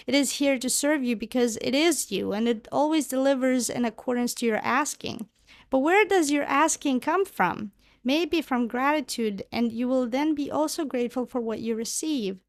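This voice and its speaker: A woman's voice: on the high side, no echo, clean studio sound. A woman delivering a channeled spiritual monologue in formal, solemn phrasing, speaking as a spiritual guide.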